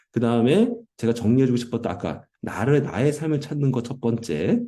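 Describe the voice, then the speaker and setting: Lively intonation runs through a man's fairly quick speech. The tone is dark and mellow. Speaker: lecturer. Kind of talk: lecture. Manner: fast.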